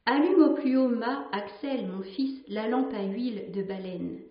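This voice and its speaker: An old, stern fisherman father speaks in solemn commands, as a woman reads his part. The voice sits somewhat high, with the room echoing. The recording is a bit dull. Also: a little slow. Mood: commanding. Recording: roomy, slightly dull recording.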